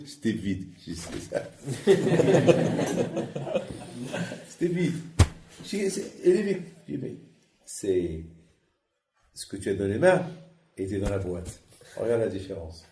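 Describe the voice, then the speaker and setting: A man, a rabbi, preaching a sermon and telling stories with lively acted-out dialogue. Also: on the low side, gravelly. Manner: lively storytelling, acts out dialogue. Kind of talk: sermon with anecdotes. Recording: echoey hall with faint noise.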